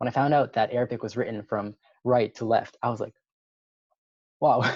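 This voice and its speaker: Medium in pitch, a man speaks with fairly even intonation. The sound is dry and close, with no echo. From Massachusetts, US. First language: Vietnamese and Lao. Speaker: exchange program alumnus. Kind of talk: online panel discussion. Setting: webinar video call.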